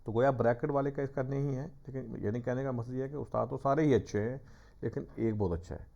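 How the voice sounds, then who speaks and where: A man's voice: medium pitch, gravelly, dark tone. A male teacher giving a classroom lecture, patiently explaining step by step with examples. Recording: dull lo-fi recording.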